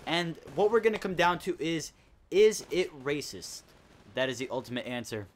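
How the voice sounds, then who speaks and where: A man's voice: a little high, big pitch swings, normal speed. A teenage boy hosting a casual gaming chat, telling a school story in a rambling, indignant way. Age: teens. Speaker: host.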